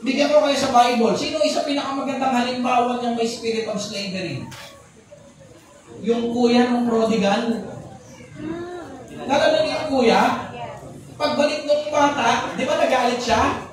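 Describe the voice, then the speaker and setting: Pastor preaching in an echoey hall. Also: male voice, very high voice, a little slow, pauses often. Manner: lively, joking preaching that quizzes the congregation. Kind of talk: sermon. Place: church hall with congregation. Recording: echoey hall from far off with background noise.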